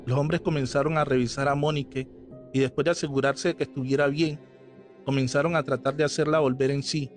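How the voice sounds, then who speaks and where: A man reading a scripted horror story aloud as narrator, in a slow, measured storytelling manner. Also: mid-range voice, fairly even intonation. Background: faint background music.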